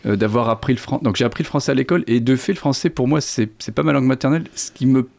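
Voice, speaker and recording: A man's voice: mid-range voice, very fast, vocal fry, darkish tone. A middle-aged man from Lorraine whose first language is Lorraine Franconian, speaking hesitantly with many restarts as an author in an interview. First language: Lorraine Franconian (Platt). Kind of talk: literary interview.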